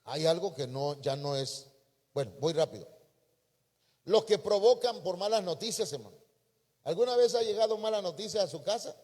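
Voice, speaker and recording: A man with a Mexican accent preaching a sermon as a pastor, breaking into sudden loud emphatic rises. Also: high-pitched, lively intonation, normal speed. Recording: reverberant church hall.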